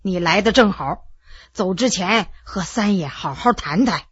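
Shrewd elderly official, quiet lowered voice, measured advice, a woman acting him in a storybook reading with a husky edge. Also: lively intonation, no room sound, dull audio. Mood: earnest. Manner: measured, advising. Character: elderly stroke-stricken Qing official, shrewd and frank.

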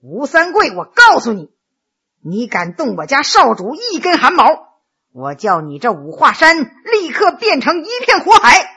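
A loyal male retainer played by a woman storyteller declaims loud threats. His voice rings bright and high and ranges widely in pitch. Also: huge pitch swings, normal speed, full character voice. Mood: defiant. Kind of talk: Chinese storytelling performance.

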